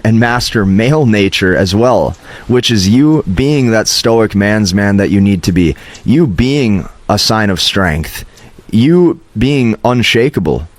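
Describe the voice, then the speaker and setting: A man on the low side of the pitch range gives dating advice as a coach, speaking to camera in an emphatic, instructive, motivational way. He checks in with "okay" a lot, and no room sound is audible.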